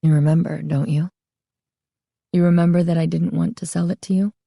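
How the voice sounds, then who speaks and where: A woman reading aloud, voicing a quiet, sorrowful male mask maker who speaks softly, close to a whisper. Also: fairly low pitch, steady tone, a little fast, creaky, no echo. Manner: soft, hushed, half-whispering.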